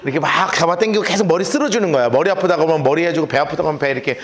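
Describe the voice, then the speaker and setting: A male pastor preaching a sermon, telling the story in an animated way and acting out the characters. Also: on the high side, very fast, crowd noise.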